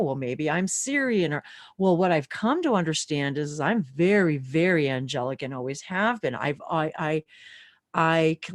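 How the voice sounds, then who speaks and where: A woman's voice: low-pitched, no echo, clean studio sound. A woman hosting a live spiritual talk stream, musing aloud in a casual, searching way. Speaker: host.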